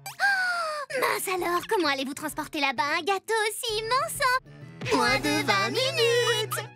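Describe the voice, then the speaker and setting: A woman voicing a high-spirited, cheeky little child in a children's cartoon. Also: big pitch swings, unhurried, over loud music, full character voice. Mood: mock concern. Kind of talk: French-language children's cartoon dubbing.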